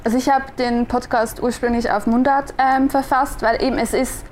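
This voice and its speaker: A woman's voice: on the high side, flat delivery, moderate pace, a little hiss or hum. A young woman from Switzerland with a Swiss German accent, a designer answering interview questions thoughtfully, often restarting as she searches for words. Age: young adult. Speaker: guest, designer and podcaster.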